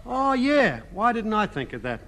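A man's voice: sits high, very animated, moderate pace, background noise. An actor playing a dim, plaintive young man in trouble in a 1950s radio sitcom, using a funny voice. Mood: whining. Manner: plaintive and whining.

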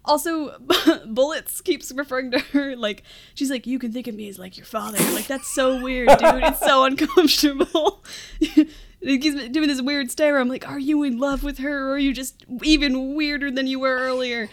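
A woman's voice: high voice, normal speed. A woman hosting a podcast in casual, comic film discussion, playful and mock-serious, often laughing as she talks. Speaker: podcast host.

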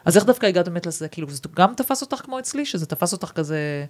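Emphatic, lower-pitched woman hosting a podcast. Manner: emphatic, expressive, pushes opinions with big pitch jumps. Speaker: podcast host. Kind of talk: casual podcast interview.

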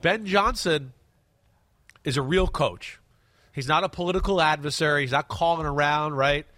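A man's voice: a little high, moderate pace, sharp tone, dry recording, studio quality. A man with a stuffy, congested voice, co-hosting a casual football chat and talking emphatically, tagging "right?" onto his points. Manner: emphatic, repeats words, asks "right?". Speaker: podcast co-host. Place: studio desk close to co-host.

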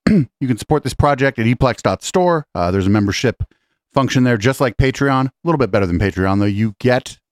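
A man with a hoarse voice hosting a live-streamed show in a relaxed, casual way, clearing his throat now and then. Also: lowish voice, dry recording, clean studio sound. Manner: relaxed, loose delivery with fillers. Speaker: podcast host. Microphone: studio microphone.

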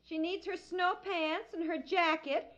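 An actress playing a flustered, put-upon wife, fretful and protesting, on a muffled old radio comedy recording. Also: female voice, very high-pitched, steady tone, unhurried, a bit bright. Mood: harried. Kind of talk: 1950s radio comedy acting.

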